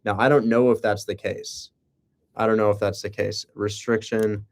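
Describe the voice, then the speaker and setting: A man's voice: on the low side, little pitch movement, normal speed. A man chatting casually on a livestream, rambling with sarcastic asides and rhetorical questions. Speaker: live streamer and real estate wholesaler.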